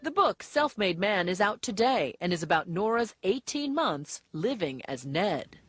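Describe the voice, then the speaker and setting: A woman's voice: medium pitch, unhurried, husky, faint music behind. A woman reading polished, scripted narration for a television news feature. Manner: lively, polished reporter delivery.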